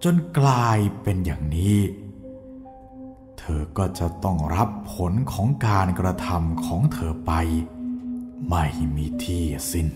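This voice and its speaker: A man voicing a stern old nobleman with a very deep voice, talking slowly and deliberately as if giving a sermon. His voice rises and falls widely, ringing in a long hall reverb. Singing-bowl music plays softly beneath. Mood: stern, calm. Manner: slow, sermon-like, lecturing. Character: stern older nobleman, calm, lecturing. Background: soft meditative music.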